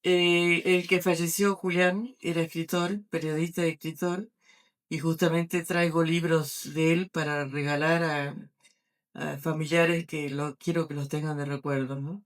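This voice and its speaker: An older woman with an Argentine accent, an author answering questions at a book presentation, speaking haltingly with many fillers and restarts. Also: low-pitched, little pitch movement. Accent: Argentine Spanish.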